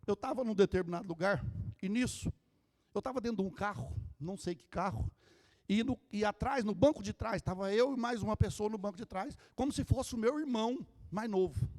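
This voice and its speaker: High-voiced Brazilian preacher in a reverberant hall. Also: male voice, brisk. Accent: Brazilian Portuguese. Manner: fervent shouting preacher who drops to hushed storytelling. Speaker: pastor. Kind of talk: Pentecostal sermon, shouted preaching. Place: large church hall. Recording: long church hall reverb.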